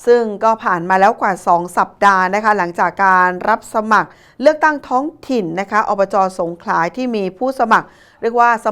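A woman presents a scripted news report as a news presenter. Her voice sits at an average pitch for a woman. The delivery is polite and formal. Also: fairly bright tone.

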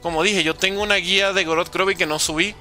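Young male streamer, bright lively voice fairly high, jokey chat-reading commentary, faint game music behind. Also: quick pace. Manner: joking, reads chat questions aloud and answers playfully. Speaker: gaming streamer.

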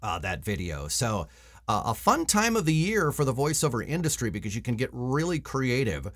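A man's voice: mid-range voice, sing-song, normal speed, fairly bright tone. A man in his forties talking to camera in a casual, explanatory way, like a voice-over coach giving tips from a small room at home. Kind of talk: casual instructional vlog to camera.

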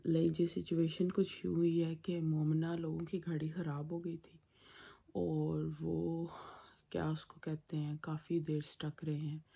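A woman in her thirties with a rather low, husky voice chats casually to her phone. She hosts a home vlog from her living room. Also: little pitch movement, unhurried, dark tone. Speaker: vlog host. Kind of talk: casual vlog chat to camera. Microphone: phone at arm's length.

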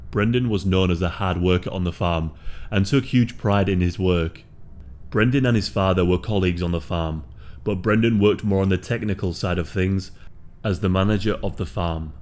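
A man reading a scripted true crime story in a steady, solemn manner. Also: low voice, normal speed.

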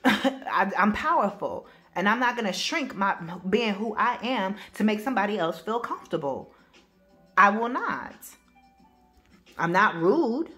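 A woman with AAVE speech giving a spiritual reading to camera, loud and powerful, blunt and emphatic, cursing freely and restarting her sentences. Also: medium pitch, lively intonation, a little slow, soft background music. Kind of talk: casual spoken reading to camera.

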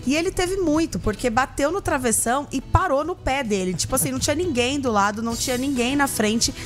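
A woman's voice: high-pitched, fairly quick, faint music behind. A woman co-hosting a radio sports show, chatting playfully with colleagues on a studio mic. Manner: chatty, playful, addresses listeners as "gente". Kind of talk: casual sports chat. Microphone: studio mic with headphones.

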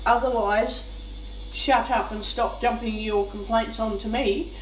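A woman's voice: on the high side, steady tone, unhurried. A woman venting in an exasperated, casual monologue while eating, her mouth sometimes full. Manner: exasperated, complaining. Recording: roomy, noisy, far from the mic.

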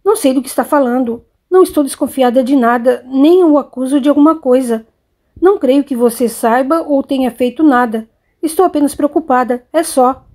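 A woman voicing a worried, gentle mother in an audiobook, coaxing her son with concerned questions. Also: high voice, fairly quick, lightly acted.

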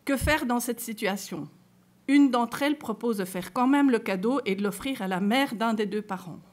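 A woman's voice: on the high side, moderate pace. A woman with a Belgian French accent giving a conference talk, speaking conversationally to the audience and reading example cases aloud. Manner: conversational, addresses listeners directly and reads case examples aloud. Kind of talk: lecture to a live audience.

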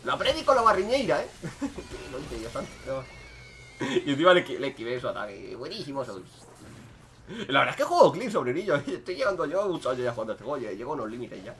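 Young man, gameplay commentary, excitable and joking, wildly lively pitch. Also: brisk, a little hiss or hum. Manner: excitable, joking, swings between loud outbursts and muttering. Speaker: gaming streamer.

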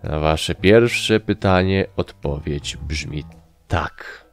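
A man's voice: very deep voice, extremely slow, soft background music, exaggerated voice. A man voicing a nervous, gloomy army captain in an audiobook, speaking in a sad, weary tone.

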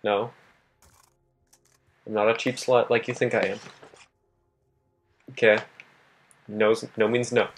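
A young man with a husky, worn voice that he is losing, giving casual gameplay commentary, swearing and talking to himself. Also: on the low side, little pitch movement, slow pace, long pauses. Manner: swears a lot, laughs often, talks to himself. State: losing his voice. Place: home at night.

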